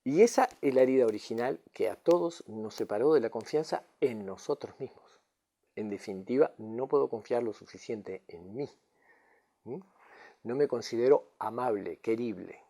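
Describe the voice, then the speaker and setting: Man, spiritual teacher, mid-range pitch, relaxed dark tone, reflective teaching talk. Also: normal speed. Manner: tags lines with questioning "mm?" and "no?" to check understanding.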